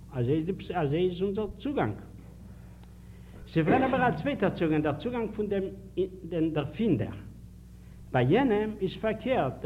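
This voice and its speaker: A man lectures in a fairly high voice, driving his points home with pointed questions and little stories. He sounds thin and narrow, like an old archival tape played over a phone line. A soft hiss runs underneath. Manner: animated, emphatic, rhetorical questions to the audience. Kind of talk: public lecture with anecdotes.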